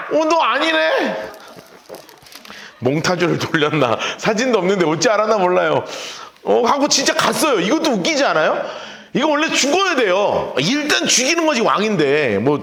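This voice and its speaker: A pastor leading a lively Bible study lecture, acting out scenes and shouting the quotes. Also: male voice, high voice, reverberant. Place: church hall.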